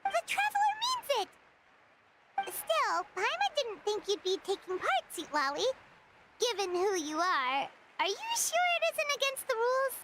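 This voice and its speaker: A woman's voice: very high-pitched, wildly swooping pitch, unhurried, heavy background noise, heavily acted. A woman voicing a tiny, perky female companion sprite who chatters eagerly and talks about herself in the third person. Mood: cheerful. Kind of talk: game voice acting. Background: loud game music.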